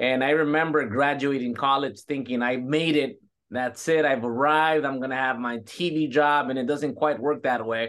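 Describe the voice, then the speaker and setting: A man with an ordinary speaking voice talks at a moderate pace with hardly any pauses. His pitch is fairly high and his intonation fairly even. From US West Coast, South Central Los Angeles. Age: 30s. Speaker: soccer commentator. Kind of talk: casual chat.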